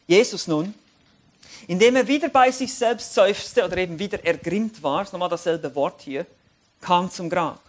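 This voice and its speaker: A man preaching a sermon and reading Bible verses, animated, moving between quiet reflective lines and raised, emphatic ones. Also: high voice, moderate pace.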